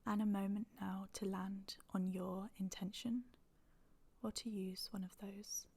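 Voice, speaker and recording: A woman leading a guided meditation in a soft, breathy, near-whispered voice, calm and gentle, with long pauses. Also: medium pitch. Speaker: yoga nidra meditation guide.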